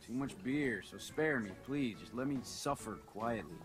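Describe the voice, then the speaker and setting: An actor playing a hungover, irritable diner customer in a video game, sounding groggy. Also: male voice, medium pitch, expressive, moderate pace, over music, natural voice. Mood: grumpy.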